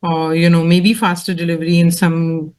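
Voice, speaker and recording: A company executive with a measured, explanatory way of talking, answering questions on an earnings call. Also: medium pitch, level tone, a little mellow, clean tone.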